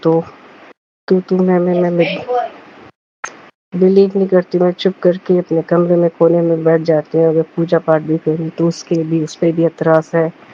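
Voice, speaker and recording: The delivery is monotone and flat, broken by long, frequent pauses. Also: woman, fairly low pitch for a woman. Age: 70s. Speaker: devotee sharing personal testimony. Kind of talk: recorded audio testimony.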